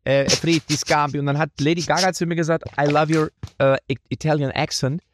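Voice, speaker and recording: A middle-aged man telling lively anecdotes in a casual podcast chat, often slipping into mock Italian voices. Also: a little high, a little fast, a little hiss or hum. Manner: animated storyteller, slips into mock Italian voices. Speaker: comedian guest.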